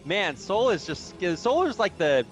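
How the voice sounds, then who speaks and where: A man's voice: high-pitched, very animated, a little slow, over music. A young man casting an esports match, chatty and rambling, with lots of fillers. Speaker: esports caster. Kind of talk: play-by-play commentary.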